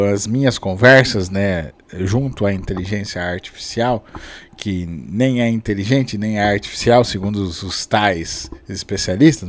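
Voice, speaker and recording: A man in his late thirties hosting a casual vlog, rambling with many restarts and tag questions and chuckling often, with sudden lively jumps in his voice. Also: on the low side. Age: 30s. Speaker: channel host. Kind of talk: casual talking-head vlog.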